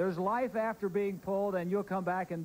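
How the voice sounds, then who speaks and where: A man speaks at a very fast pace. Light background noise sits behind him. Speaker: football color commentator. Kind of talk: live commentary. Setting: stadium broadcast booth. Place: stadium. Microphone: handheld.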